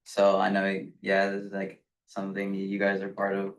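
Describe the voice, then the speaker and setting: A man's voice: deep voice, monotone, moderate pace. A man from New York City giving a short, hesitant self-introduction with fillers. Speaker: student introducing himself.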